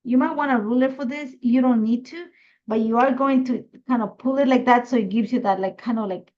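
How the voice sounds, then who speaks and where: A woman's voice: a little high, brisk, darkish tone, highs cut off. A middle-aged woman from Ecuador, chatty and thinking aloud as she hosts a live scrapbooking tutorial. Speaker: craft host.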